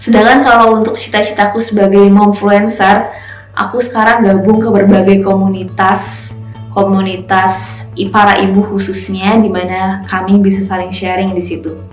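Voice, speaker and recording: A woman's voice: medium pitch, little pitch movement, normal speed. A woman in her twenties, a teacher and mother, speaking earnestly in an interview testimonial. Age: 20s. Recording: roomy sound with soft music.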